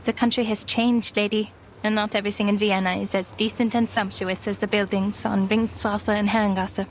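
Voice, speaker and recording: A woman's voice: mid-range voice, flat delivery, normal speed, slight background noise, natural voice, rough recording. An actress playing a proud, defensive woman psychiatrist in a video game, with a dry, sarcastic and dramatic manner. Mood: exasperated. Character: weary, defensive Viennese woman psychiatrist, proud, wry arcanist. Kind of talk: video game story voice acting. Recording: music under the voice.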